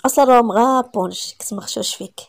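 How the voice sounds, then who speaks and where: A woman's voice: a little high, racing, creaky. A Moroccan-accented woman voicing an earnest young man who loves nature, explaining himself in an audio story. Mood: defensive.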